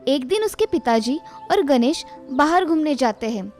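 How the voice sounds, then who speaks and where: A woman narrating a moral cartoon story in a plain, steady storybook manner. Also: high voice, moderate pace, soft background music.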